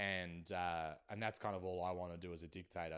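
With an Australian accent and an animated tone, a man talks at a fairly quick pace in a very clean recording with a silent background. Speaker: comedian. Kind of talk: comedic monologue podcast.

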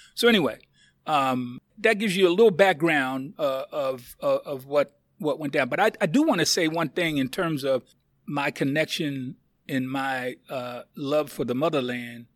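With a plain, everyday voice, a man speaks fairly slowly at a fairly high pitch with ordinary pitch variation, in a very clean recording with a silent background. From Philadelphia, Pennsylvania. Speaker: heritage center director and former activist. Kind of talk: interview.

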